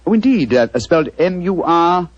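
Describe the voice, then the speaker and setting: An actor playing a brilliant, self-assured male detective in a 1940s radio drama, crisp and theatrical. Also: fairly high pitch, sing-song, normal speed, no room sound. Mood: confident amused. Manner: crisp, theatrical, relishing his deductions. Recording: dull old radio recording with music.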